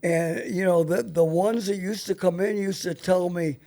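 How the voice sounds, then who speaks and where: A man in his seventies, a veteran radio host, reminiscing casually in a blunt, halting, salty way. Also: sits high, steady tone, gravelly, a little mellow.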